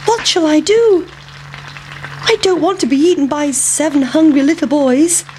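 A woman voicing a cheeky runaway pancake in a high, excited, squeaky voice. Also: moderate pace, slight background noise, close to an everyday voice. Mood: worried.

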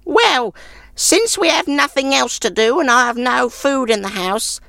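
A man's voice: extremely high pitch, expressive, a little slow, creaky, bright, forceful tone, dry recording, studio quality, soft background music, voice pushed up, full character voice. A man voicing a grumpy, sour old woman in a storybook reading, talking in a snappish, scornful way.

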